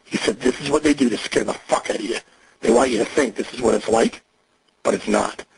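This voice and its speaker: A man on a recorded jail payphone call, coaching and reassuring the caller in a profane, steady way. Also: medium pitch, fairly quick, gravelly, a little hiss or hum, rough recording. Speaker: agent on a phone call.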